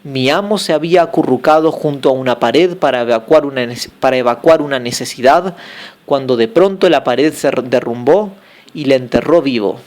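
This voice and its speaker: A man's voice: mid-range voice, moderate pace, darkish tone, lightly acted. A man voicing a merchant's wife in a storybook, with plain, lightly acted dialogue. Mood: earnest. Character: merchant's wife, relieved and earnest.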